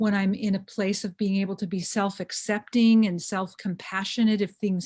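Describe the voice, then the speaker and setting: A somewhat breathy woman's voice at medium pitch, monotone and flat in intonation, at a moderate pace on a very clean recording with a silent background. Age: 60s. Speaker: podcast co-host, healer. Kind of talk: casual chat. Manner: halting, many repetitions.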